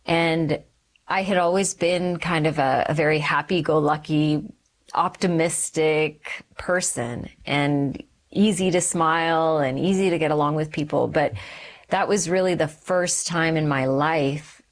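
A woman in her forties from Canada, an OB-GYN physician, telling her faith story in an interview in an earnest, reflective, measured way. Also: deep voice, steady tone.

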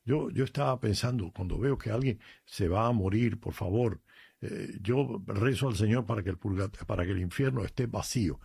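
Un sacerdote cubano con acento cubano, que habla con fervor y cuenta anécdotas personales en un programa de radio. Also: male voice, on the low side, normal speed, gravelly, darkish tone, slightly rough, no echo. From Cuba. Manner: earnest, emphatic, tells personal stories. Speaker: priest, regular guest. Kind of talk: radio chat on faith.

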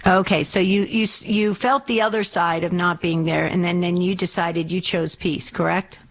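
A woman's voice: lowish voice, fairly even intonation, normal speed. Sixty-something lady radio host, gushing and chatty, bit scratchy today. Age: 60s. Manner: warm, effusive, encouraging. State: slightly scratchy voice. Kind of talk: call-in radio talk.

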